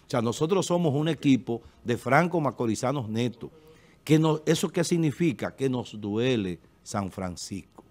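This middle-aged panelist from the Dominican Republic offers forceful political opinions in a TV studio, speaking into a desk mic with a Dominican Spanish accent. His mid-range voice is animated and a bit dark, at a moderate pace. He uses his hands as he talks and often says "eh."

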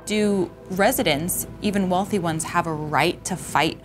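A woman host asking calm, direct interview questions. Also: fairly low pitch, unhurried, soft background music.

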